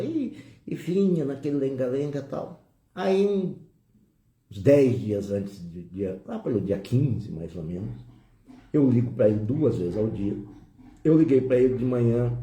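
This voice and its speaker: A middle-aged man with a Brazilian Portuguese accent tells a personal story during a spiritist lecture. His voice is dark and mellow, and it rises and falls in lively swings as he acts out the dialogue. The sound carries a roomy echo. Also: medium pitch.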